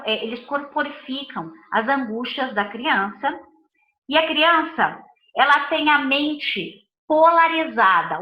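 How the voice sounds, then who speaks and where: A woman's voice: sits high, sharp tone, echoey room, low-quality recording. A woman with a Brazilian Portuguese accent, a body and behavior analyst giving a live talk to viewers, speaking emphatically in repeated lists of phrases.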